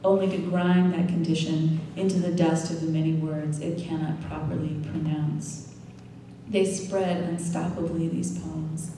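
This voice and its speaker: A woman introduces the evening's poet, speaking in a low, level voice with a dark, mellow tone. She is heard from far off in a large, echoing room with a faint hiss of noise. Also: level tone, unhurried. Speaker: event host introducing the poet. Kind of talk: read introduction. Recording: roomy hall from a distance, faint noise.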